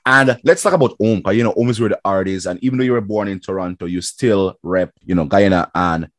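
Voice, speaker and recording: A man's voice: low-pitched, a little fast, dry recording, studio quality. A man hosting a casual, conversational interview as a fellow chef, agreeable and often affirming what he hears. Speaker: podcast host, chef.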